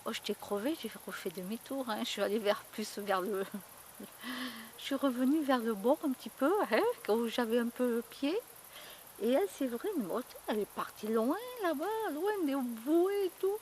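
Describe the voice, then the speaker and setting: A woman vlogger chats loosely to her camera, circling back and repeating herself as she tells her story. Her voice sits a little on the high side. A faint hiss runs under the recording. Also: normal speed, darkish tone. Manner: chatty, rambling storytelling with many fillers and repeats. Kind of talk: casual chat.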